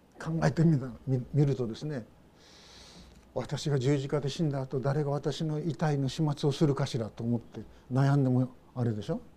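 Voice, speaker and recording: This man has a fairly high pitch and a dark, mellow, somewhat breathy tone. He speaks at a moderate pace with fairly even intonation and long, frequent pauses. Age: 70s. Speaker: pastor. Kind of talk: sermon.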